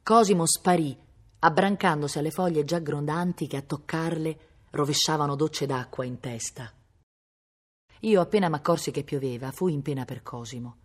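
A woman reads a novel aloud in a low voice. Her delivery is measured and steady, a literary reading recorded at a public library. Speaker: reader.

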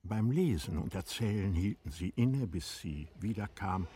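A man narrating a literary radio play in a measured, formal storytelling manner. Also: sits low, lively intonation, warm tone, a little hiss or hum.

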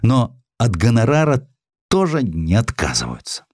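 A man voicing a wry, fatherly elderly editor and retired general in an audio drama, speaking in an avuncular, deliberate way. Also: mid-range voice, huge pitch swings, no echo, clean studio sound, pitched above the performer's own voice. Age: older.

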